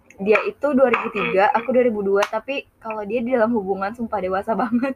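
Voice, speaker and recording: Noticeable background noise behind a woman with a fairly high voice, moderate pace. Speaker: podcast host, university student. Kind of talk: casual chat. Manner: animated.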